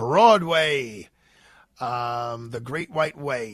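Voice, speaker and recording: Speaking in a New York accent, a man moves at a fairly slow pace. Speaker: radio host and attorney. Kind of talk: radio talk show. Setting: broadcasting from his law office.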